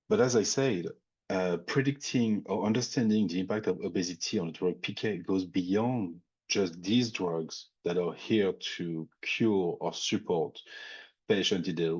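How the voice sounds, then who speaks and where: A man's voice: deep voice, darkish tone, breathy edge, highs cut off. A man with a French accent presenting a technical webinar, thinking aloud with frequent fillers and restarts. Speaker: industry expert presenting a webinar.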